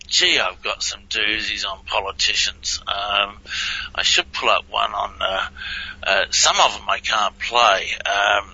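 A man's voice: lowish voice, bright, forceful tone, husky. A man speaking as a guest in a radio interview, chatty and prone to chuckling and exclaiming. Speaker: guest, researcher of reversed speech. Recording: muffled lo-fi audio.

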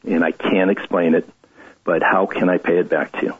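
Middle-aged male guest, deep and husky, earnest halting testimony over a tinny phone-like line. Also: little pitch movement. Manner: earnest, halting confessional storytelling. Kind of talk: personal testimony interview.

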